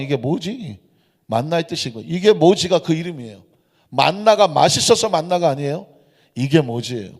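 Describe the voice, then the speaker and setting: Emphatic pastor preaching in a reverberant church. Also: male voice, fairly high pitch. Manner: emphatic preaching with call-and-response to the congregation. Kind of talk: sermon. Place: church sanctuary. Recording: long church hall reverb.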